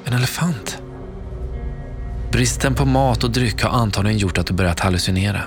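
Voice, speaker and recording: Male narrator, low voice, slow hushed dramatic reading, music bed underneath. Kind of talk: second-person scripted audio story narration. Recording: narration over clear background music.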